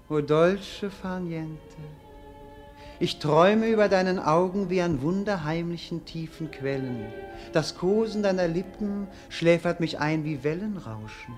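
An actor playing a bored, melancholy young prince in a classic radio play, speaking in a dreamy, languorous, theatrical way. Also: male voice, high-pitched.

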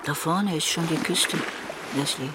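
A woman playing a laconic, caring female shark in a radio play, with a low, gravelly voice and a casual deadpan manner. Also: measured pace. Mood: deadpan, sympathetic. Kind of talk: naturalistic radio play dialogue. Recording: faint watery background noise, boat-like ambience. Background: lapping water and sea ambience.

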